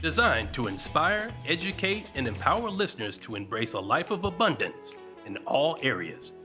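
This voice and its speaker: A man's voice: a little high, sing-song, moderate pace, pushed and bright. A man reading a scripted, upbeat intro for a podcast, with music behind him. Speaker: show announcer.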